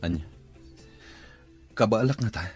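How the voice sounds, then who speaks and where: An actor playing a male boss who is in therapy, in an Ilocano radio-style drama with a low, rough voice. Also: lively intonation, measured pace, a little mellow, faint music behind. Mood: reserved. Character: male boss undergoing therapy, addressed as sir. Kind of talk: Ilocano audio drama acting.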